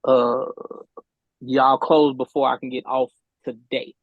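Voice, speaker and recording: A man's voice: medium pitch, flat delivery, takes it slowly, no room sound. A man speaking as a defendant in a remote court hearing over buzzy, glitchy call audio, stammering and repeating words as he presses his point. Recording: dull, dry call line.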